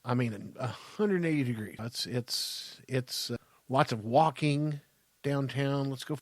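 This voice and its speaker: A man's voice: medium pitch, measured pace, dry recording. A man in his fifties with an American accent, bantering casually and crudely as a podcast co-host, with emphatic delivery. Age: 50s.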